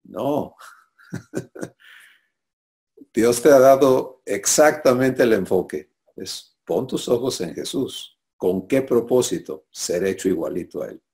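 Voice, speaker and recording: A man's voice: mid-range voice, lively intonation, slow, dark tone. A man preaching a sermon, teaching and often asking listeners for assent. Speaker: pastor.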